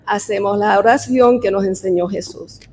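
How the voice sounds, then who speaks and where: A prayer leader reciting prayers aloud with a group in slow, measured phrases. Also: medium pitch, background noise. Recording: distant voice in a reverberant hall over a praying crowd.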